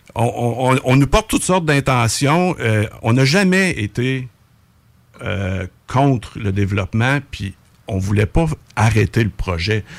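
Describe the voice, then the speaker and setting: Intonation is lively from this man. His pace is very slow. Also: medium pitch for a man. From Quebec, Lévis (Saint-Nicolas). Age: 40s. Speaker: resident activist. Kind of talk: interview. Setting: studio.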